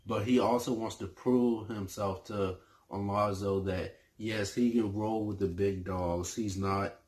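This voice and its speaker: A man chatting casually about his favorite movies for his channel, hesitant and full of fillers and restarts. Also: fairly low pitch. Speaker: movie review YouTuber.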